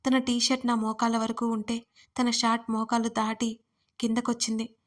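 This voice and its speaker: A woman's voice: a little high, monotone, moderate pace. A woman narrating an emotional first-person audio story with a dramatic storytelling manner.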